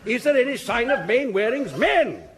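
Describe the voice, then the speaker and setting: An actor playing a blustering, curt, easily exasperated English army captain in a radio sitcom. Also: male voice, extremely high pitch, lively intonation, normal speed. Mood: impatient. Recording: noisy old radio comedy recording.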